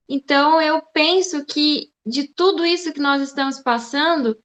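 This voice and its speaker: A woman's voice: high voice, fairly bright tone. A woman with a Brazilian Portuguese accent gives an earnest, fluent comment as a student in an online class, building her point step by step. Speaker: student taking part in class.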